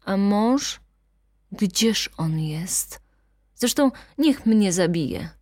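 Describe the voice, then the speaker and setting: A woman's voice: medium pitch, animated, drawn-out words, a little mellow, no room sound, studio quality. A woman voicing a distraught young woman who speaks in a hard, defiant tone.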